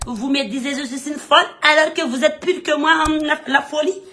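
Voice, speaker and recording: A woman's voice: high-pitched, brisk, bright, forceful tone. A Malagasy woman, the host of a live stream, chatting casually in French and scolding her viewers in an emphatic, repetitive way. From Madagascar. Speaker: streamer reading comments.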